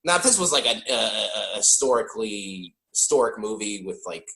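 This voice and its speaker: A man hosting a podcast, chatting casually about a film, animated and joking, swearing now and then. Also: on the low side, gravelly, roomy sound. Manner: animated, swearing, quick jokey impressions. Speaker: podcast host. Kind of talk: casual film-review chat.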